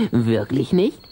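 A man's voice: medium pitch, mellow, slight background noise. An actor playing a cheeky, sly little vampire boy in a German children's radio play, brash and offhand. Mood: teasing, sly.

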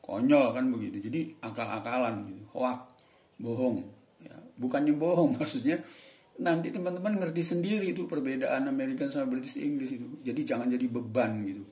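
A man's voice: mid-range voice, a little fast, mellow, reverberant. A man teaching English in a casual, chatty way, addressing viewers as friends and sometimes mimicking other voices for examples. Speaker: English tutor. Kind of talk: casual spoken lesson.

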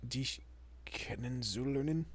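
A man playing a shy, nervous young vampire father in a romantic audio roleplay, stammering and soft-spoken, often dropping to a near-whisper. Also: mid-range voice, slow pace. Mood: uneasy, awkward.

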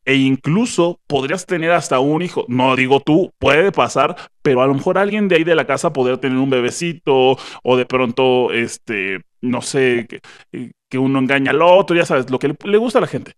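A man's voice: mid-range voice, voice pushed down, lightly acted. A Mexican man in his thirties playing an earnest, hesitant reality-show producer in a prank call, stammering and repeating himself. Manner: halting, repetitive, stammering delivery. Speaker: prank caller. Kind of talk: improvised phone prank. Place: small indoor podcast studio. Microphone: close studio microphone.

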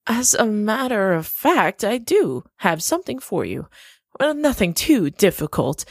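An actress playing a gracious, slightly secretive woman host in an audio drama, speaking slowly and courteously. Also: mid-range voice, big pitch swings, vocal fry, no echo, clean studio sound, exaggerated voice.

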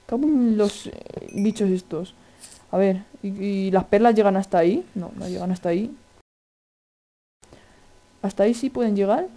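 A man with a Spain Spanish accent giving casual, excitable gameplay commentary, chatty and full of exclamations. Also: sits high, moderate pace, long pauses. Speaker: gaming video host.

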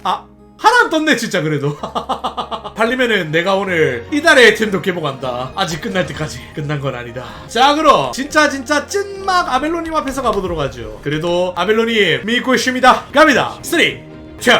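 A gaming channel host giving casual commentary as they play, excitable, laughing often, pleading with the game and talking straight to viewers. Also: medium pitch, fairly quick, soft background music. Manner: talks directly to viewers.

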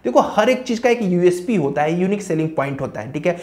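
A man's voice: high-pitched, expressive, fast. Man giving a chatty career-advice lesson. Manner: explains through lists and checks in with "okay"; mixes English technical terms into his talk. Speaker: civil engineering educator.

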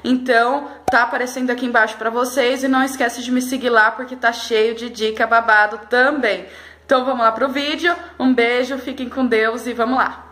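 A woman's voice: fairly high pitch, steady tone, a little fast, fairly bright tone. A young woman from Brazil chatting enthusiastically to viewers while showing products in a shop. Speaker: shopping vlogger. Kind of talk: casual vlog, showing products. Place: indoors at a busy market shop. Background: crowd chatter.

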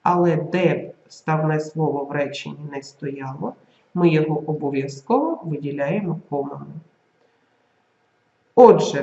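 A language teacher narrating a scripted video lesson, reading word lists slowly and clearly with marked intonation. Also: medium pitch, a little mellow. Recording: echoey room, dull lo-fi recording.

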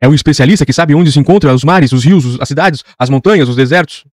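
A man's voice: fairly high pitch, quick pace, darkish tone, no echo, clean studio sound, lightly acted. A man voicing a self-important old geographer who lectures pedantically. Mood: lecturing. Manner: lecturing, pompous.

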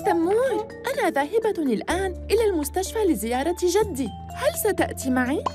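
A woman voicing a caring, helpful young girl in a children's cartoon, gentle and considerate, in formal Arabic. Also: very high voice, animated, brisk, music in the background.

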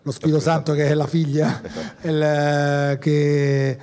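Male director, rambling panel talk, slightly raised pitch, long hall reverb. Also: flat delivery, slow, dark tone. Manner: rambling, many restarts.

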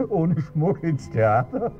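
A genteel, trusting rich husband. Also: male voice, on the high side, big pitch swings, drawn-out words, soft background music, heavily acted. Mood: genial. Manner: courteous and fussy, a little hesitant. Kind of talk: 1970s-style German radio play acting. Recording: dull, faintly hissy old radio-play recording.

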